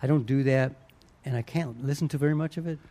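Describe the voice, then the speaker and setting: A man's voice: medium pitch, quick pace, dark tone. A man, a singer and yodeler, chatting casually in an interview and explaining his technique, breaking into short yodel demonstrations.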